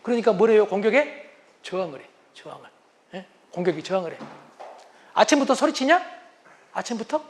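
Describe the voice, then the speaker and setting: Brief: male lecturer, very high for a man, lively storytelling delivery in a comedic talk. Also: a little fast, long pauses. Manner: animated, acts out spouses' lines. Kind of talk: humorous lecture.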